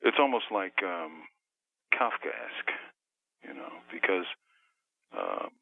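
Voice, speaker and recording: A man speaking from a prison cell over a prison phone line in a measured, halting interview manner with many pauses. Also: sits low, huge pitch swings, creaky, no room sound. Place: prison cell on death row.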